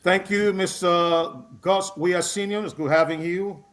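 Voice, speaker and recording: A man's voice: high-pitched, steady tone, measured pace, fairly bright tone, a little hiss or hum. A man co-hosting a live radio and TV talk show, genially introducing panelists with some light teasing.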